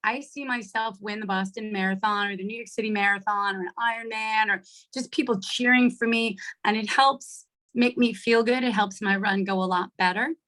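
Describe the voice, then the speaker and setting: A middle-aged woman with a hoarse voice leading an online coaching workshop on a video call, chatty and checking in with her listeners often. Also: mid-range voice, fairly even intonation, moderate pace, fairly bright tone. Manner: chatty, checks in with "right?" and "okay?". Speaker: workshop leader. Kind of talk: live online coaching talk.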